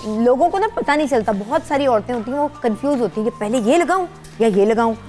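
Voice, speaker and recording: A middle-aged woman doctor with a high voice walks viewers through skincare step by step. Her tone is patient and instructive, like someone used to advising patients. Faint music plays under her. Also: animated, fast talker, dark tone. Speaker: skin doctor guest. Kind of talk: explaining products on a talk show.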